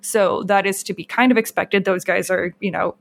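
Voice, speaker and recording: A woman co-hosting a casual show, chatting about TV episodes in a relaxed, conversational way. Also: mid-range voice, moderate pace, vocal fry. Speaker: podcast co-host. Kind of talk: casual chat reviewing TV episodes.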